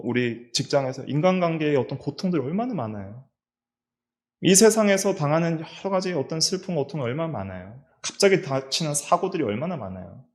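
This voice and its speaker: Preaching in a church sanctuary, this middle-aged man is a pastor whose Korean carries a Daegu-region accent. His mid-range voice has a darkish tone, and his sermon is full of rhetorical questions, repetition, and many questions to his listeners.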